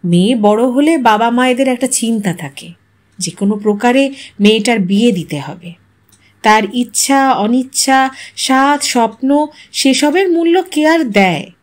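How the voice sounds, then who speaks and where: A woman with a distinctly high voice narrates a short story. Her delivery is scripted and dramatic, with expressive phrasing that leans into rhetorical questions. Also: unhurried.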